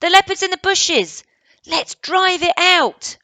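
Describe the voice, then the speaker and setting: A woman voicing an excited young boy who shouts eagerly while hunting a leopard. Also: fairly high pitch, normal speed, gravelly, no echo, pitched above the performer's own voice, heavily acted. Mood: excited shouting.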